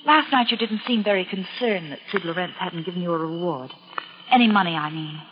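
An American actress playing an anxious, gentle girlfriend with a conscience, speaking earnestly and hesitantly in 1940s radio drama style. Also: fairly low pitch, fairly quick, noisy background, close to an everyday voice. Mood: worried, pleading. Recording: dull vintage radio broadcast.

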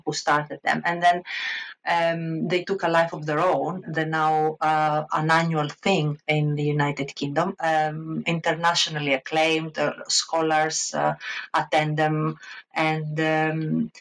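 A woman in her fifties from Crete with a Greek accent, giving lively interview answers full of fillers and laughs. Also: sits low, low-quality recording. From Crete, Greece. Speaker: guest author, art historian.

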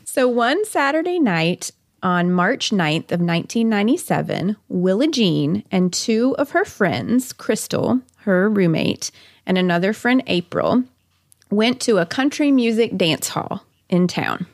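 A woman's voice: mid-range voice, very animated, a little slow. A woman with a mid-range voice tells a true-crime story as a podcast host. Her delivery is conversational, moving between narration and chatty personal asides. The sound is dry, with no room echo.

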